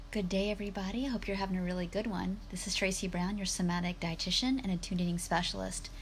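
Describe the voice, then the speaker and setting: Soft-spoken and very fast, a woman talks at a medium pitch with fairly even intonation and hardly any pauses. Audible room echo surrounds her voice. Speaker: dietitian. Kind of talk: casual vlog talk.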